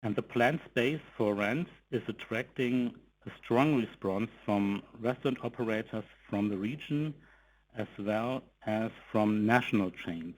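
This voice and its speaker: A man giving a formal, measured corporate presentation, reading from a script in short phrases as an executive on an investor call. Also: on the low side, slight background noise, low-quality recording. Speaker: company executive presenting financial results.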